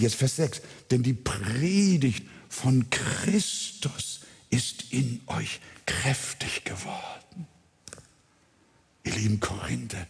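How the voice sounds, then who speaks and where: A man's voice: mid-range voice, darkish tone, husky. A man preaching a sermon, emphatic and speaking straight to his congregation. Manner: emphatic, addresses the congregation directly. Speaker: pastor. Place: church. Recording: long reverb of a church hall.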